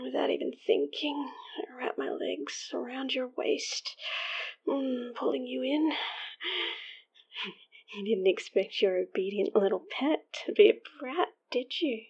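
Slow, husky whispering woman. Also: sits high, rough recording. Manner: whispery, breathy, with sighs and soft laughs. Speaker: audio roleplay performer. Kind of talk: intimate whispered roleplay.

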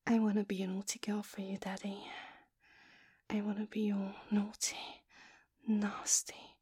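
A young woman in first-person audio roleplay, with a soft, breathy, whispery, pleading way of talking. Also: medium pitch, completely flat delivery, measured pace, no room sound, clean studio sound.

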